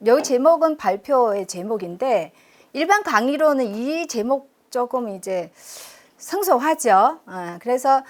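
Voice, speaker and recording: High, lively Chinese-accented Korean woman. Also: measured pace. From China. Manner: chatty and self-deprecating, quizzes the audience, many fillers. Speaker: university professor giving a public lecture. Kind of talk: public history lecture. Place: lecture room.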